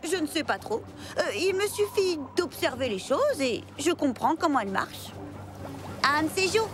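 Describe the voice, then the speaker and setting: High girlish voice, cartoon adventurer, lively, earnest, restless, music behind. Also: moderate pace. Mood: breezy, modest. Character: restless young female cartoon traveler, cheerful, self-doubting tinkerer. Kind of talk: French animated series dub.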